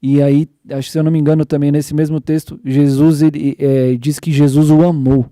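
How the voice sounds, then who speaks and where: Excited young São host. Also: male voice, fairly high pitch, a little fast, no echo, studio quality. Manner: excited, retelling scripture in slangy speech. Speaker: podcast host. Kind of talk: casual church podcast chat.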